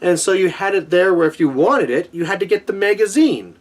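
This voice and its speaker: A man's voice: high-pitched, fairly quick. A man giving a casual, rambling opinion rant to viewers as a hobby gaming vlogger, complaining in an exasperated, conversational way.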